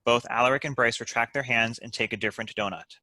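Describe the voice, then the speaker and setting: A man's voice: mid-range voice, fairly even intonation, fast talker, bright, forceful tone, dry recording. A man reading stage directions as scripted narration for a comedy table read.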